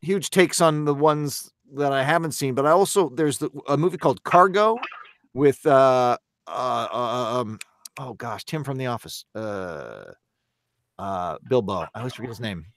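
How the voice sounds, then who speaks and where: Smooth-voiced rambling male podcast host. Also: medium pitch, expressive, unhurried, a bit bright, no room sound, studio quality. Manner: rambling, friendly, loses his words. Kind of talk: casual group chat over mics.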